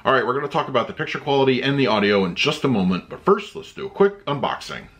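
A man's voice: medium pitch, big pitch swings, fast, fairly bright tone. A man in his thirties reviewing a movie disc at home, chatting loosely and then reading out a written review. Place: home room with shelves of discs.

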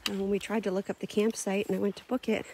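A woman chatting her way through a camping vlog, talking into a handheld camera outside. Her voice sits at a middling pitch, and she laughs easily and fills gaps with ums and uhs. A faint outdoor hiss stays underneath. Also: level tone, quick pace, warm tone. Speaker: camping vlogger. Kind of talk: casual outdoor vlog narration. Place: outdoors at a lakeside forest campsite.

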